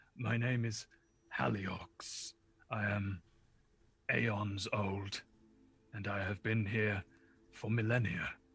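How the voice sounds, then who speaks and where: In a put-on character voice, a man speaks very slowly at a fairly low pitch, with long, frequent pauses. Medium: actual play. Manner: solemn, formal.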